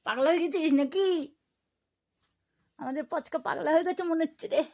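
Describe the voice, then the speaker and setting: High-voiced woman fussing over a pet. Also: brisk, vocal fry, darkish tone. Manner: fond, coaxing, rising sharply when alarmed. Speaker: vlogger talking to her cat. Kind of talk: casual home vlog, baby talk to a pet. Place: home indoors by a window.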